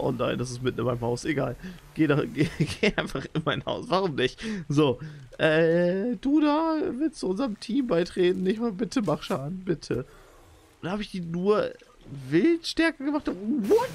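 A young man giving excitable, slangy commentary while playing a video game as a channel host. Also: high voice, gravelly, husky. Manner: excitable, slangy, frequent exclamations. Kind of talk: let's play commentary.

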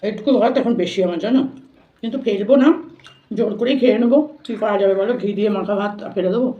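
A woman's voice: medium pitch, fast talker. A woman chatting informally to her viewers as she eats, like a casual food vlog. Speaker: vlogger. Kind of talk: casual chat to viewers while eating. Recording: echoey room, dull lo-fi sound.

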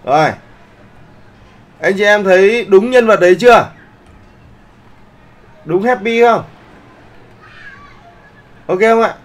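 A man's voice: high voice, slow pace, long pauses. Chatty male teacher. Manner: keeps checking in with the class, polite particles. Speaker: online art instructor. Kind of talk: live class tutorial.

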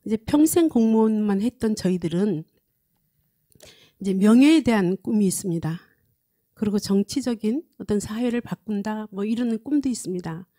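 A woman in her sixties from South Korea gives a personal testimony in an earnest, halting way, repeating phrases as she goes, speaking into a handheld microphone. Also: medium pitch, expressive, dark tone. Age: 60s. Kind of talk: personal testimony at a prayer meeting. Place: indoor studio set, standing at a lectern. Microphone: handheld microphone close to mouth.

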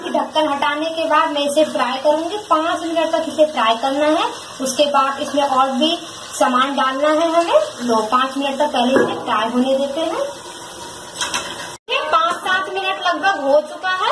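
Standing at her home stove, a woman with a high voice walks viewers through a recipe one step at a time, patiently going over each instruction twice. The room echoes, and a loud, constant hiss from the camera mic over the pot sits behind her voice.

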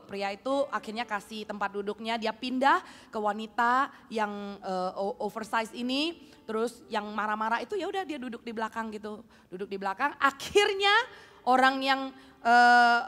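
A woman's voice: a little high, a bit bright, big-room sound. A woman preaching a sermon, telling a story and acting out its characters, slipping English phrases into her talk. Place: church hall.

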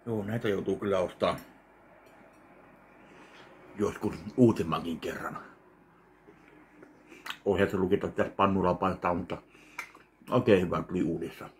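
A man's voice: low voice, steady tone, long pauses, slight background noise. A man in his thirties, recording a casual food tasting vlog at home, talking between bites and humming while he chews. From Finland. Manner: chewing and savoring aloud, mumbled asides while eating. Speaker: food review vlogger. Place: small home kitchen, indoors. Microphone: webcam at desk, framed close.

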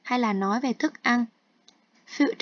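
A woman's voice: on the high side, unhurried, no echo. A woman English teacher explaining textbook exercises step by step in an online lesson, mixing in English terms. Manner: explains each task step by step, switching between Vietnamese and English terms. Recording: dull, dry lo-fi recording.

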